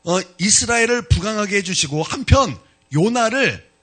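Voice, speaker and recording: A male pastor preaching a sermon in church, retelling a story in an animated way and talking directly to his congregation. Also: high-pitched, normal speed.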